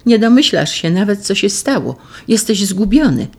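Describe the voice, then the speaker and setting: A reader voicing a devoted young noble woman in an audiobook, urgent and pleading, with a gravelly edge. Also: medium pitch, sing-song, moderate pace, darkish tone, pitched above the performer's own voice. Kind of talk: audiobook reading.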